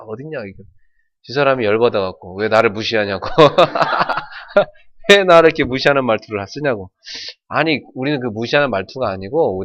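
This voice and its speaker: A middle-aged man from North Jeolla preaching a sermon as pastor, telling folksy stories and shouting out imitations. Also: medium pitch, highs cut off. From North Jeolla, South Korea.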